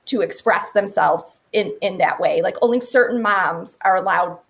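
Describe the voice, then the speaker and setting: A woman's voice: lowish voice, moderate pace, gravelly, a bit bright. A woman of forty-one, a guest and researcher, speaking thoughtfully in a casual podcast conversation, often saying "you know.". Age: 40s.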